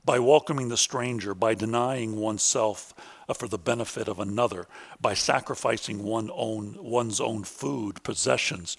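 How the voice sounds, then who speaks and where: A man reading a scripted academic lecture in a measured, deliberate and formal way, pausing for quotations. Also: fairly low pitch, creaky, slightly rough.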